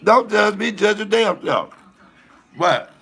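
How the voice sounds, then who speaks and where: Male comic storyteller, deep and gravelly, lively pitch, profane and loose. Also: takes it slowly, faint music behind. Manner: profane, animated, laughs at own jokes. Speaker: comedian host. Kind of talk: casual storytelling.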